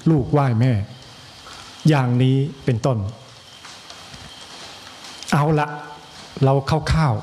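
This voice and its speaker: A monk with an Isan accent giving an evening sermon, slow and measured, with pauses and repetition and a joke now and then for the listeners. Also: male voice, medium pitch, fairly even intonation, darkish tone, a little hiss or hum. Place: temple hall.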